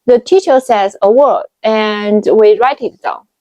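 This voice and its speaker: A woman's voice: mid-range voice, measured pace, warm tone, no room sound. A woman in her thirties from China, a native Chinese speaker with a Chinese accent, explaining things as a video host. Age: 30s. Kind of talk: explanatory talk to camera.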